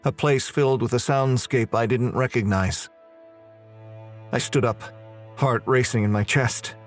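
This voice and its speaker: An actor playing a bewildered, uneasy man narrating his horror story in a deliberate, measured way. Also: medium pitch, fairly even intonation, lightly acted. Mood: bewildered, alarmed. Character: bewildered, uneasy man waking in strange prison. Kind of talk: dramatized horror audio narration. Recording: faint music under the voice.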